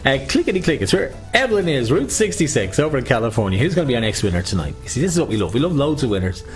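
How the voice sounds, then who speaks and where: A man hosting an online game as a bingo caller, with chatty, jokey patter and drawn-out number calls using traditional nicknames. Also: mid-range voice, very animated, faint music behind.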